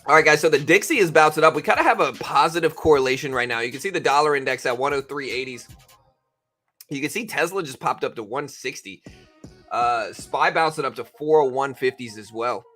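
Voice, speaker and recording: A man's voice: mid-range voice, a little fast, sharp tone, soft background music. A man hosting a casual early-morning livestream, tired and just woken up, talking in a laid-back, rambling way. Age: adult with a daughter. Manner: laid-back, rambling, says bro and you know a lot. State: just woke up, tired, voice deeper than usual. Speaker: livestream trading host. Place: home in Texas.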